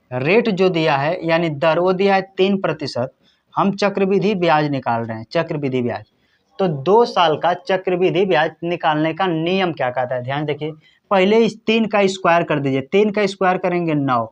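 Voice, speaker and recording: A man's voice: high-pitched, lo-fi sound. A man teaching exam-prep maths, working through problems step by step and talking straight to his viewers. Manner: step-by-step explaining, addresses viewers directly.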